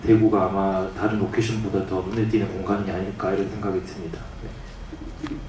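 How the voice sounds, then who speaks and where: A man with a slight Daegu accent, audible room echo and noticeable background noise. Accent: slight Gyeongsang (Daegu) dialect. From Daegu, South Korea. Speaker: film director. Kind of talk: press conference Q&A. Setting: press screening event.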